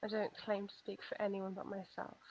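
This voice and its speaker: A woman's voice: mid-range voice, completely flat delivery, brisk, darkish tone. Woman player in an online tabletop game, chatty and friendly, a bit muffled.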